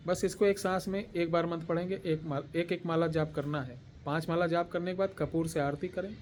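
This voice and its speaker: Devotional teacher, male, slightly high voice, deliberate repetitive dictation, faint noise behind. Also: fairly even intonation, darkish tone. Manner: slow deliberate dictation, chanting words one by one; repeats phrases, throat-clearing pauses. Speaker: tantric spiritual teacher. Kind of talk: devotional instruction with mantra dictation.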